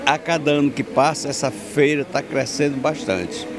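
A man's voice: mid-range voice, fairly even intonation, normal speed. A man in his seventies with a Brazilian accent giving an informal TV interview answer. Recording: busy outdoor crowd behind.

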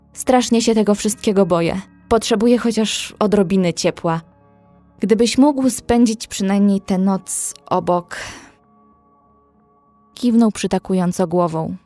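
An actress playing a young female survivor, caring and anxious, narrating a horror audio drama in measured, emotive storytelling. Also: fairly low pitch, dark tone, natural voice. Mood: apologetic, fearful.

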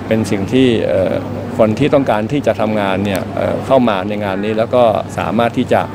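A middle-aged man, a government official giving a formal press statement in an indoor hall, polite and steady with frequent hesitation fillers. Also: medium pitch, noisy background. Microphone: press microphones held up close.

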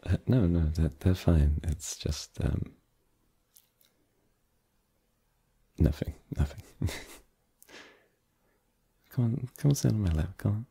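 A man's voice: sits low, expressive, takes it slowly, vocal fry, dark tone, husky, exaggerated voice. A young man voicing an easygoing boyfriend in an ASMR roleplay, hesitant and filler-heavy, turning teasing. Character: easygoing young adult boyfriend hosting friends.

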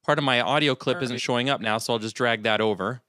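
Middle-aged guy talking you thru editing steps, calm and steady, dry close sound, mid pitch. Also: fast, dry recording. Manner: calm step-by-step explaining. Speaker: video tutorial host. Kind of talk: screen-recorded software tutorial.

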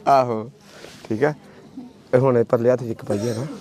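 A man's voice: medium pitch, steady tone, normal speed. A man with a Majhi Punjabi accent chatting casually and teasingly, full of folksy exclamations and blessings. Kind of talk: casual teasing chat during a wedding bangle ritual. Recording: noisy crowd and birds behind.

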